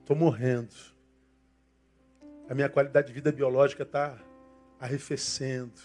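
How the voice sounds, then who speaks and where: An older man with a Brazilian Portuguese accent, preaching a sermon with passion, swinging from loud emphasis to soft asides. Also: mid-range voice, little pitch movement, moderate pace, soft background music. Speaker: pastor.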